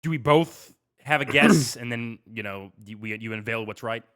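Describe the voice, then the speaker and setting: A man's voice: mid-range voice, moderate pace, fairly bright tone. A man chatting casually about games as a podcast co-host, in short informal interjections. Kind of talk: casual gaming chat.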